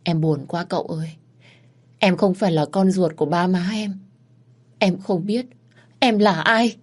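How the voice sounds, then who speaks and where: A woman's voice: lowish voice, steady tone, measured pace, voice pushed up. A woman voicing a heartbroken young adopted daughter who pleads tearfully, in a spoken storybook. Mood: tearful pleading.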